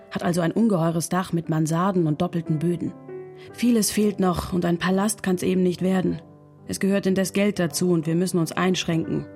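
An actress as a fond, witty woman of the nineteenth century, reading her letter aloud. Her voice has a creaky, gravelly edge and an eloquent, intimate delivery, with light music underneath. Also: on the low side, warm tone, lightly acted. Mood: wryly amused. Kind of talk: expressive dramatic letter reading.

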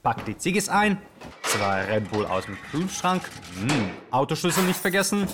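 An actor playing an excitable, euphoric Yugoslav male radio host with a theatrical, rambling way of moderating a live show. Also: fairly high pitch, moderate pace, noisy background. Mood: exuberant. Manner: theatrical, rambling, exuberant, switching from hushed to shouting. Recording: music behind the voice. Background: music.

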